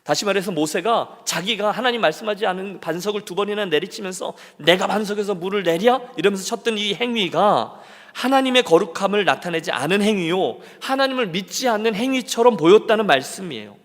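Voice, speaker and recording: A man's voice: high-pitched, lively intonation, fairly quick. A male pastor preaching a sermon and asking his congregation questions as he talks. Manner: acts out quoted lines of people and God. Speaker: senior pastor. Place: church sanctuary. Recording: long church hall reverb.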